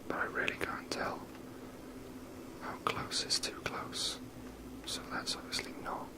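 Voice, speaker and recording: Someone whispering a casual, rambling, unhurried commentary while playing a video game, in a soft breathy ASMR style.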